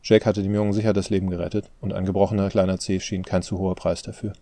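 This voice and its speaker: A man reading a novel aloud in steady, measured scripted narration. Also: sits low. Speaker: audiobook narrator.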